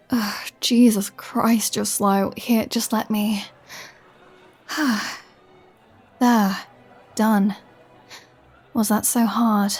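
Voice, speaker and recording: A woman's voice: fairly high pitch, darkish tone. A woman playing a flirty, sardonic vampire in an ASMR roleplay, teasing and sarcastic with a playful threat. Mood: impatient, teasing. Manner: teasing, sarcastic, conversational with sighs. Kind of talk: ASMR roleplay audio drama.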